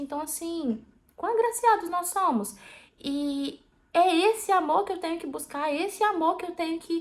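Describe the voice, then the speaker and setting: A woman talks loudly at an extremely high pitch with lively intonation. The recording is very clean with a silent background. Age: 20s. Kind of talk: casual chat, personal testimony. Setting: at home on sofa under blankets. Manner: loud, expressive.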